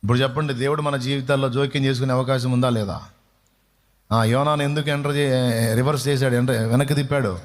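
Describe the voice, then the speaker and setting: A man's voice: medium pitch, fairly even intonation, fast, in a large hall. A man preaching a sermon as a pastor, telling stories and asking his listeners questions. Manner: storytelling preacher who asks the listeners rhetorical questions.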